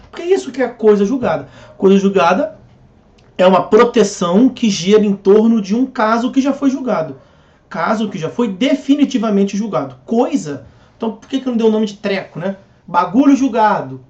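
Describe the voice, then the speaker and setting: A man's voice: sits high, darkish tone, lo-fi sound. A man lecturing on civil procedure law in a conversational way, asking rhetorical questions and making jokey asides.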